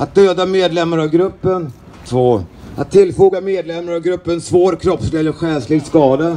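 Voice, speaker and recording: This man's voice is high in pitch. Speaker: rally speaker. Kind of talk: public speech. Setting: outdoors. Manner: formal. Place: street. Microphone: pa.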